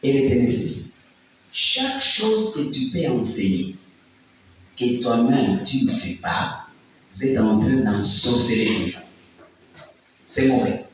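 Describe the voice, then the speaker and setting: A man of middle pitch examines a thesis candidate, asking probing questions before launching into animated, preachy advice. His voice comes from a distance across a large hall with heavy echo and a faint hiss. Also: takes it slowly, pauses often. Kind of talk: questioning and advising at a thesis defense. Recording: echoey hall, distant mic, faint noise.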